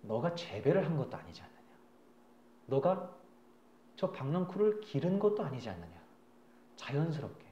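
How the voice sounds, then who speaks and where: A grave, patient God asks slow, measured questions in a lowered, quiet voice, voiced by a man preaching. The sound carries a roomy echo around it. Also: muffled recording. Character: God speaking, calm, grave, patiently reproving.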